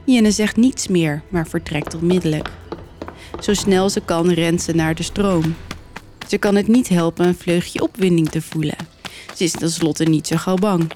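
A woman podcast host narrating a folk tale in a clear, steady storytelling manner. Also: lowish voice, unhurried, faint music behind.

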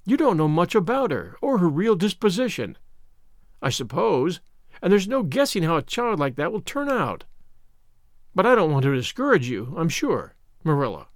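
Man playing a haughty, blunt busybody lady, high-pitched. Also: sing-song, normal speed, no echo, studio quality. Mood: gloomy. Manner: emphatic, gloomy, solemn, pompous.

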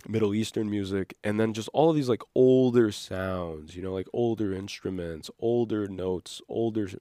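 A man's voice: fairly low pitch, normal speed, mellow, no room sound, studio quality. A man in his twenties hosting an unscripted podcast, talking in a rambling, reflective way with frequent fillers. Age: 20s. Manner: rambling and reflective, heavy use of "like". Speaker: podcast host.

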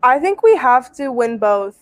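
A chatty woman with a fairly high voice talks sports, her speech full of fillers. The sound is dry and close, with no room echo. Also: big pitch swings, measured pace. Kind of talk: casual sports chat.

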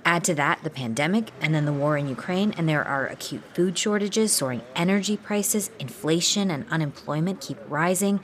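A woman with a Lebanese accent reporting the news and interviewing people in the field, measured and clear. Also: sits low, lively intonation. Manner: measured, clear narration and direct questions. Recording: outdoor field recording with noise.

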